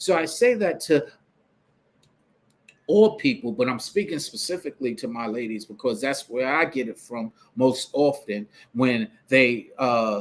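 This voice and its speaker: A man with a medium-pitched voice speaks at a fairly slow pace, his intonation lively and his speech broken by long, frequent pauses. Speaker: vlogger giving life advice. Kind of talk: casual monologue. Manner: loud, passionate.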